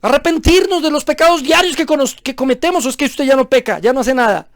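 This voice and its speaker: A man's voice: very high-pitched, fast talker, no room sound, clean studio sound. A man preaching a sermon as a pastor, emphatic and full of rhetorical questions.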